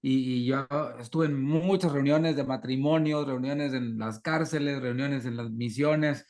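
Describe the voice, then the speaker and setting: A man's voice: mid-range voice, fairly even intonation, a little slow, darkish tone. A man, a pastor, responding reflectively in conversation and repeating words as he thinks.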